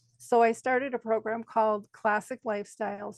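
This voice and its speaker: An unremarkable speaking voice at a moderate pace, fairly even in intonation, with a quiet background. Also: woman. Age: 60s. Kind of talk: interview.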